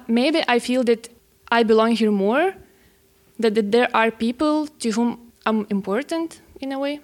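Hesitant woman asking a question. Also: on the high side. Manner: hesitant, many fillers. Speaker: podcast interviewer. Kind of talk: conversational question.

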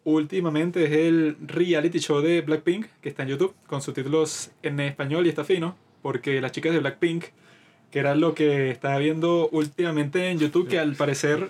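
A man's voice: on the high side, fairly even intonation, normal speed, darkish tone. A man with a Venezuelan accent chatting casually as a podcast co-host, talkative, slangy and opinionated. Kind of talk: casual chat.

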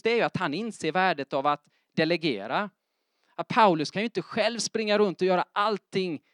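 A middle-aged man preaching a sermon in church, lively and emphatic, often asking his congregation if they are following. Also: high voice, dry recording, studio quality. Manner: keeps checking in with the congregation with questions. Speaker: pastor.

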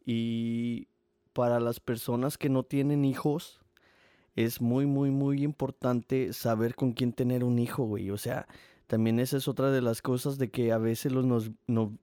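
A man's voice: mid-range voice, flat delivery, unhurried, mellow, no room sound, studio quality. A young man with a Mexican accent hosting a podcast, rambling casually and cursing often. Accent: Mexican Spanish. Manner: slangy, rambling, frequent swearing. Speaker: podcast host. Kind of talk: casual monologue.

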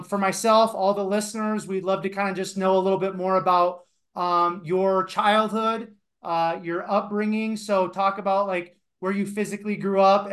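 A man's voice: high-pitched, a bit bright. A man hosting a podcast, asking long questions with many fillers and polite asides. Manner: hesitant, lots of fillers, polite. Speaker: podcast host. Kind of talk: casual podcast interview.

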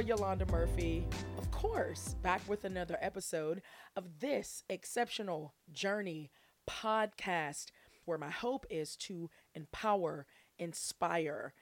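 A woman's voice: lowish voice, dry recording. A forty-year-old woman hosting a casual solo podcast, chatting in an exuberant, playful, chummy way straight to her listeners. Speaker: podcast host.

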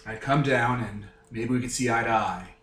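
A man's voice: medium pitch, normal speed, a bit bright, a little hiss or hum, lightly acted. Man doing cocky mouse guard, dry taunts, distant echoey sound. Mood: taunting. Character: defiant, mocking male mouse guard. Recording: echoey room, off-mic.

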